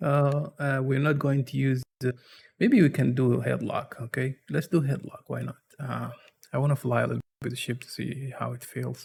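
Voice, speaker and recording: This man talks at a moderate pace with a non-native accent. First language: not English. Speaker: gaming YouTuber. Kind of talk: gameplay tutorial. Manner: halting.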